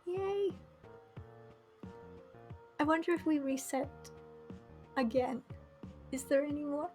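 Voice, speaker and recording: A woman's voice: high voice, darkish tone. A woman giving casual commentary as she plays a game on a live stream.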